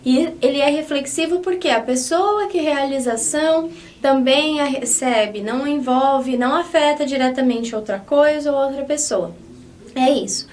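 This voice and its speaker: A woman's voice: high voice, normal speed, a little mellow, recorded from a distance. A Brazilian woman with a Brazilian Portuguese accent, teaching a Spanish lesson in a patient way and checking in often with her students. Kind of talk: online language lesson.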